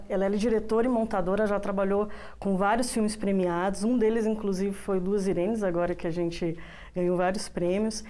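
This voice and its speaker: A woman's voice: mid-range voice, dark tone. A woman in her thirties from Brazil, a project coordinator answering questions in a TV studio interview, talking casually with fillers and restarts. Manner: casual, fillers and restarts, uses "a gente vai tá". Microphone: lapel mic.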